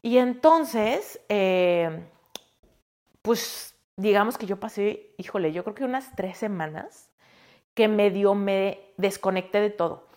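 A woman's voice: medium pitch, takes it slowly. Candid Mexican woman telling her story. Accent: Mexican Spanish. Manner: candid, expressive, addresses listener directly. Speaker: spiritual coach. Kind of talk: personal storytelling monologue.

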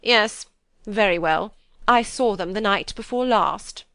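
A woman voicing a haughty, imperious older aristocratic lady who speaks stiffly and slowly. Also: medium pitch, pushed and bright, clean tone, no room sound. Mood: stiff, condescending. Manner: stiff, slow and commanding.

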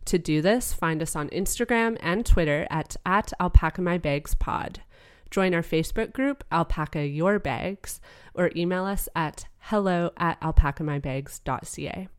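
A woman's voice: on the low side, clean tone, dry recording, clean studio sound. A woman hosting a podcast, chatting casually with a playful, teasing manner. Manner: playful, teasing, quick asides. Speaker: podcast host.

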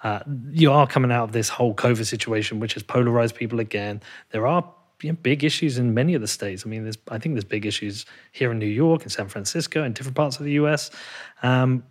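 Fast-talking British man, blunt and informal. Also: medium pitch. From Britain. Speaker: podcast host. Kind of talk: casual interview chat.

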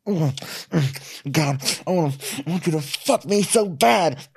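A man's voice: on the high side, lively intonation, slow, gravelly, husky, voice pushed up, heavily acted. A man voicing a lustful, brazen young woman from a film script. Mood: breathy lust.

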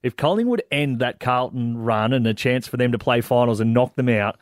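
A man's voice: medium pitch, brisk, no echo, clean studio sound. An Australian man, a former footballer on a radio panel, talking up a big game with jokes and laughter. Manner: hyping, jokey, laughs often. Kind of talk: casual sports radio banter.

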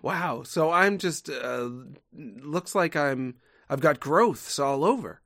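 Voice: slow, dry recording, clean studio sound. A co-host of a comedy podcast, wry and giggly, asking absurd follow-up questions. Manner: wry, giggly, very animated pitch. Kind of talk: improv comedy podcast chat.

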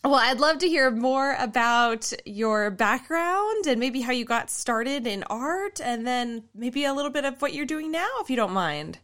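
Woman podcast host, kinda high voice, casual and laughy. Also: lively intonation, a little slow, hardly any pauses, fairly bright tone. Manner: friendly, laughs often. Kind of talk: casual interview chat.

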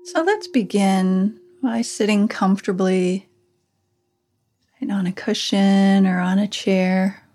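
A woman leading a guided meditation as a teacher, giving gentle instructions with long pauses. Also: medium pitch.

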